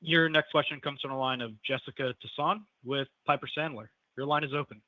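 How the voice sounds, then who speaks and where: A man's voice: mid-range voice, steady tone, a little fast, no echo. A man acting as conference call operator, reading out scripted announcements. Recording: dry, narrow phone-like line.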